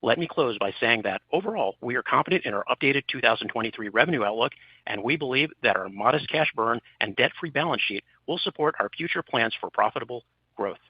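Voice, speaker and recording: A man delivers a scripted financial update as an executive, reading quickly. His voice is husky, and the conference line is dry and slightly dull. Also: mid-range voice, animated, no echo. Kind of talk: scripted corporate presentation.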